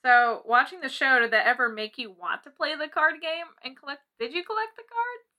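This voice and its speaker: A young adult woman with an American accent talks casually as a podcast co-host. Her voice is high and clearly bright. She is effusive and prone to giggles, speaking very informally. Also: brisk. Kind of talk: casual chat.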